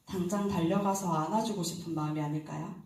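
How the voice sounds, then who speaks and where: A woman preacher with a fairly low, darkish voice gives an early-morning sermon in a church, speaking quickly and steadily. She talks conversationally and asks the congregation questions, picked up by a distant mic in a very echoey sanctuary with a little hiss or hum.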